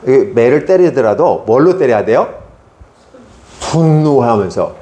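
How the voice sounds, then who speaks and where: Animated man preaching in an echoey hall. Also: fairly high pitch. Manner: animated, keeps asking the children questions. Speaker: Sunday school preacher. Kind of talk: sermon to children. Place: church hall.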